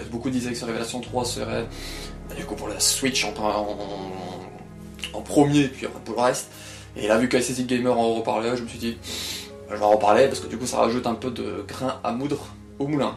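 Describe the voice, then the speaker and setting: With music in the background, a man of medium pitch speaks at a fairly quick pace in fairly even intonation, broken by long, frequent pauses. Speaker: gaming news YouTuber. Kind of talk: casual talk to camera. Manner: hesitant, many filler words.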